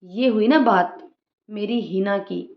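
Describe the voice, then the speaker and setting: A woman voicing a lively young woman, an outspoken sister-in-law who jokes and bosses others around. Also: mid-range voice, slow pace. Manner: bossy, joking, outspoken. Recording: roomy lo-fi room sound.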